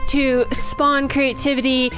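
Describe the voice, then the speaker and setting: A woman's voice: high voice, level tone, takes it slowly, music in the background. A woman co-hosting a podcast in casual, chatty conversation. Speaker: podcast co-host. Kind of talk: casual chat.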